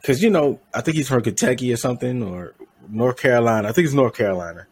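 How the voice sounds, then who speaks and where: A man's voice: medium pitch, expressive, fast, a little mellow, slightly rough. A man co-hosting a podcast in casual chat, rambling and correcting his own slips with a laugh. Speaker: podcast co-host.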